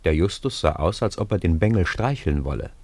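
A man with a very low, raspy voice narrates a children's radio drama. His delivery is measured and expressive, recorded dry and close. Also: no echo. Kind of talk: scripted radio play storytelling.

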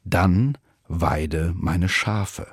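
A man voicing a calm, patient teacher who asks gently and speaks slowly. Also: low voice, slightly rough, dry recording, clean studio sound, heavily acted. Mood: gentle.

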